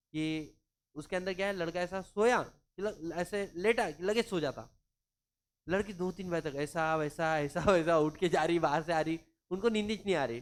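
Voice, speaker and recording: Man, high-pitched voice, law teacher, chatty classroom style, acts out stories. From Maharashtra, India. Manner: chatty, mixes in English, acts out anecdotes. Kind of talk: casual classroom lecture.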